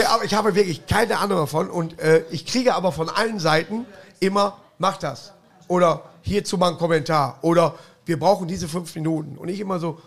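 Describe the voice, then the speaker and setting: Gravelly high-voiced man, rambling chat. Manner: rambling, laughs loudly at his own jokes. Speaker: podcast host. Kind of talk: casual chat.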